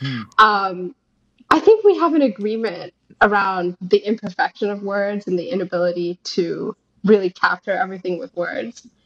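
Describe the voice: A woman with an unremarkable speaking voice talks at a moderate pace and medium pitch, her intonation lively and her loudness swinging widely. The sound is dry and close, with no echo.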